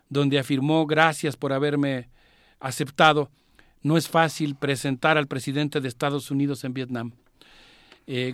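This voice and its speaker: A male radio co-host talks through world affairs in a careful, explanatory way. His voice sits somewhat high for a man and often stops on small "eh" fillers. The studio sound is dry and close. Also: dry recording. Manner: measured, explanatory, with frequent "eh" fillers.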